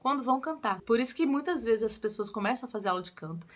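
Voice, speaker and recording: Encouraging singing teacher woman. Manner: lively and encouraging, with quick pitch lifts on emphasis. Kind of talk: casual tutorial talk to camera.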